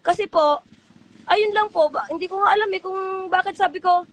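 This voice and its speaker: A woman's voice: very high voice, moderate pace. A middle-aged woman, talking as a guest in a heartfelt, rambling way and acting out what others said to her. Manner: rambling, heartfelt, quotes others in their voices. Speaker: guest, former church member. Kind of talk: emotional call-in interview.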